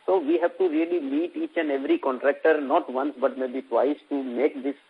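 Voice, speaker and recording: A man's voice: on the high side, expressive, normal speed, vocal fry, breathy edge. An Indian-accented man, a company executive, explaining emphatically and repetitively as he answers questions on an investor conference call. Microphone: conference call phone line. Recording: muffled, very narrow phone-line audio.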